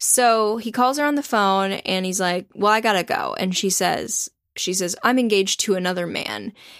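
A woman with a medium pitch and an ordinary speaking voice talks at a moderate pace, with ordinary pitch variation and hardly any pauses. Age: 30s. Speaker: podcast co-host discussing books. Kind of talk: casual chat.

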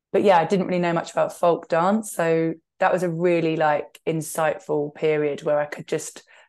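In a southern English accent, a woman talks at a fairly quick pace with a fairly low pitch and monotone, flat intonation, over a quiet background. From Brighton, southern England. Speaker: choreographer and dance company director. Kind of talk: interview.

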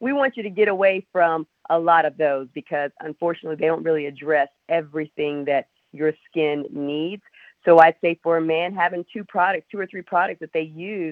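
A woman with an unremarkable speaking voice talks at a fairly quick pace. Her pitch is fairly low and her intonation lively. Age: 40s. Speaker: pharmacist and radio host. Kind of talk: casual chat.

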